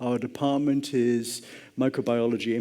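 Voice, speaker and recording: The tone is dark and mellow. Behind it lies a silent background on a very clean recording. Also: man. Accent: British. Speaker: professor and HIV researcher. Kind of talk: lecture. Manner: hesitant, many fillers.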